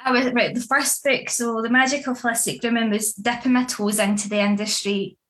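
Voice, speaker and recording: A woman's voice: on the high side, steady tone, brisk, a bit bright. Woman, casual interview chat, fillers, laughs often. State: pregnant. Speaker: dog grooming academy founder and author.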